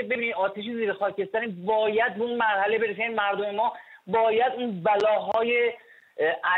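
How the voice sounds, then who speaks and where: A male caller with a high voice makes an impassioned, emphatic case over a thin phone line. His delivery presses each point home. The sound is narrow and tinny, like a call patched into a radio studio. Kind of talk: call-in opinion.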